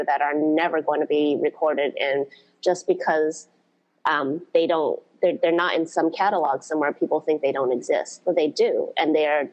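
A woman with a low voice speaks as a podcast guest. She talks in a reflective, storytelling way, circling back with asides as she recalls her past. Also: low-quality recording. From United States. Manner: reflective, storytelling, frequent "you know". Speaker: podcast guest, blues dance organizer. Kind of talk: conversational interview.

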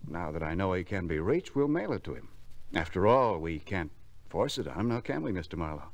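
An actor playing a polite, businesslike gentleman client in old radio drama, speaking formally and courteously. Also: sits low, big pitch swings, fairly quick. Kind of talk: old-time radio acting.

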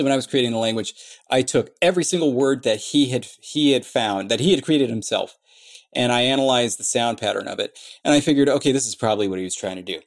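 A man's voice: medium pitch, creaky. A man in an interview explaining how he built a language, thinking aloud with many fillers and restarts. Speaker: conlang creator answering questions.

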